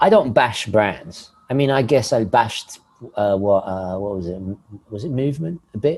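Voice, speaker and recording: A fairly low-pitched man with a British accent, moderate pace and lively intonation. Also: big swings in loudness. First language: Italian. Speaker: watch YouTuber. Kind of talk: casual podcast interview.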